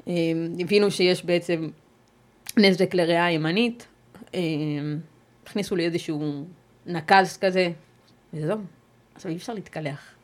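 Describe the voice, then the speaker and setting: A woman with a somewhat low-pitched voice gives personal testimony as a guest on an interview podcast. Her delivery is measured and halting, broken by pauses and restarts as she searches for words. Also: fairly even intonation.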